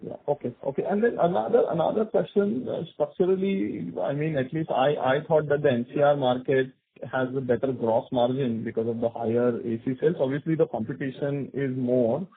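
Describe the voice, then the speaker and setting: A man, an analyst asking halting questions on an earnings call. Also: medium pitch, breathy edge. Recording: muffled phone conference line.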